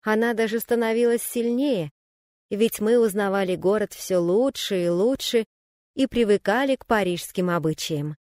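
Woman reading a memoir audiobook, calm and even, middle pitch, dry close sound. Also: moderate pace, no echo. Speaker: audiobook narrator. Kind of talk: first-person memoir reading.

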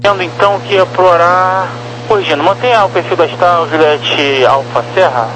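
Brazilian male air traffic controller, slightly high voice, procedural radio instructions, clearly noisy channel. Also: moderate pace, a bit bright. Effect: aviation radio.

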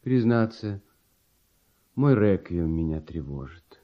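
An actor playing a troubled, sincere composer in a radio verse drama, confiding uneasily as if haunted by dread. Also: male voice, deep voice, lively intonation, slow pace. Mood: troubled, hesitant. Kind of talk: theatrical verse dialogue, classic Russian radio play. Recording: dull, muffled old radio recording.

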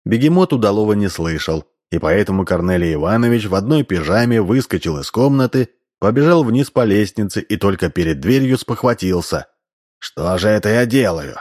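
A man's voice: fairly low pitch, animated, a little fast, few pauses, darkish tone. A man narrating a comic story as an audiobook in scripted narration.

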